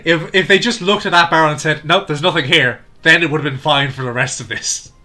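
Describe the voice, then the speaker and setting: A man's voice: on the high side, fast, pushed and bright. A man casually chatting and reading lines aloud during a video game playthrough. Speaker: gaming commentator reading out game dialogue. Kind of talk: casual playthrough banter and dubbing. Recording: game music behind the voice.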